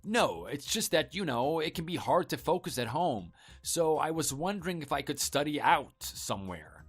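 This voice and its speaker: A man's voice: on the high side, very animated, normal speed, slightly rough, soft background music. A man playing an evasive husband in a scripted online story drama, talking casually and persuasively to placate his wife. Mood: casual, coaxing.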